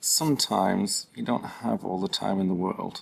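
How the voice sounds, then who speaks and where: Here a man speaks at a moderate pace. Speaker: urban sketching youtuber. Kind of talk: sketch-along vlog tutorial. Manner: mumbling; halting.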